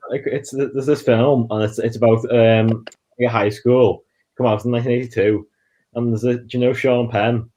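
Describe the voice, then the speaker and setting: A man joining a casual film chat as a guest on a video call. He speaks hesitantly, restarting sentences, in an ordinary mid-pitched voice. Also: steady tone, moderate pace, warm tone. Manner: hesitant, unsure, restarts often.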